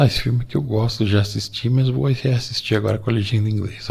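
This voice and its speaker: Over noticeable background noise, a man with a fairly low pitch talks at a fairly quick pace in a relaxed tone. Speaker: ASMR content creator. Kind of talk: casual talk to camera, Q&A answers. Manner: talkative, relaxed, speaking at conversational pace.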